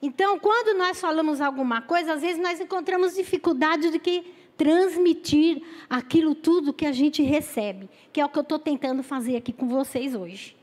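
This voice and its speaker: A middle-aged Brazilian woman preaching a sermon and telling a personal story, halting and repeating words as she calls her listeners brothers. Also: sits high, darkish tone. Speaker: lay preacher. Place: church hall. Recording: echoey church hall.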